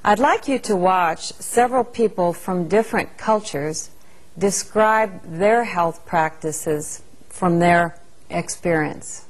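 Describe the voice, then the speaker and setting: A woman with a somewhat low voice narrates a training lesson. Her delivery is calm and measured, like a scripted instructional video. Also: poor audio.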